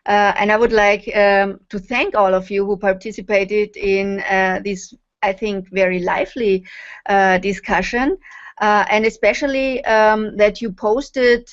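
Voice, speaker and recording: A woman answering as an interview guest in a halting way with long pauses, on a muffled web call. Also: mid-range voice, steady tone. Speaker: guest, course facilitator. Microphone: online video call.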